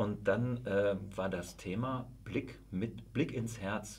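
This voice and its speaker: This man's voice is somewhat breathy, and his pitch shifts by an ordinary amount. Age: 50s. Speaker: teacher and musician; teacher. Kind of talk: interview conversation. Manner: halting with many fillers. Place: studio.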